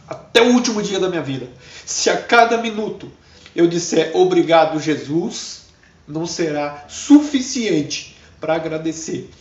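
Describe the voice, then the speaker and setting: A male pastor preaches a fervent, emotional testimony in a fairly high voice. He sounds far from the mic, his words ring through a roomy, echoing space, and the recording is dull and muffled. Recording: distant, echoey, dull.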